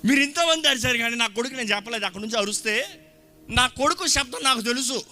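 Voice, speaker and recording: Male pastor, high lively voice, bursts of shouting, live church sermon recording with music under it. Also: quick pace. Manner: shouting, mixing Telugu with English phrases. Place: church hall.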